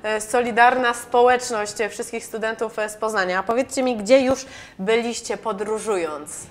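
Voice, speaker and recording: A woman's voice: fairly high pitch, moderate pace. A young woman hosting a TV studio interview, summarizing and asking guests questions. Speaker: TV host.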